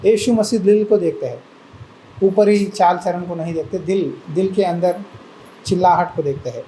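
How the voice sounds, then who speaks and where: A male pastor giving a sermon, telling a story with lively acted-out voices and asking the listeners questions. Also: high-pitched, normal speed, slight background noise, low-quality recording. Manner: asks the listeners questions and answers them.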